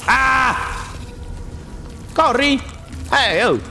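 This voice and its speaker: A young man giving casual gameplay commentary, animated, swearing often and yelling at enemies, then muttering while he searches. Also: very high voice, very slow. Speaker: gaming channel host. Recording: game music behind the voice.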